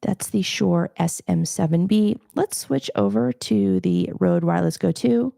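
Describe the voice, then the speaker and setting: A soft-spoken woman in her home studio, explaining her audio setup in a conversational, explanatory way. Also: fairly low pitch, very animated, measured pace, gravelly. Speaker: audio gear reviewer. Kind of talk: livestream gear demo. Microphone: changing between studio mics.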